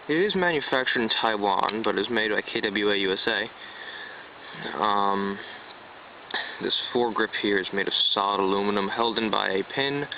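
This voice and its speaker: A man with a fairly low voice talks through a casual hands-on review. He is informal, enthusiastic and a bit rambling. The recording is dull and lo-fi, with loud road traffic behind him. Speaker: amateur product reviewer. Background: traffic, passing buses and cars.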